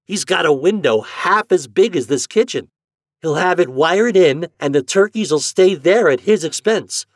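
A man's voice: a little high, animated, a little slow, no room sound, clean studio sound, voice pushed up. A man voicing an eager, jolly farm boy in a storybook, speaking in rustic old-time country dialect. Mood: eager, boastful. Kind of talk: storybook character voice.

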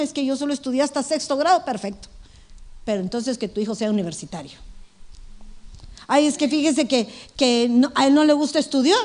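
A middle-aged woman pastor, preaching a lively sermon straight to the congregation. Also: fairly high pitch.

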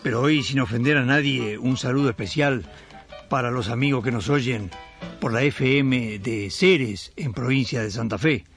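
A man's voice: medium pitch, moderate pace, fairly bright tone, soft background music. An Argentine-accented man hosting a religious radio programme in scripted, folksy, rhythmic talk. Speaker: radio host.

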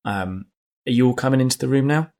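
A man's voice: medium pitch, fast talker, darkish tone. A man narrating a tabletop role-playing game as game master, in conversational style.

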